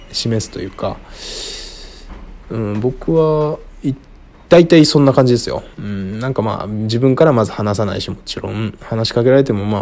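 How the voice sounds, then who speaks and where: A man answering listener questions alone in casual talk, frank and rambling with many fillers, often trailing off quietly. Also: creaky. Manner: lively, wide pitch swings. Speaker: radio-style show host answering listener questions.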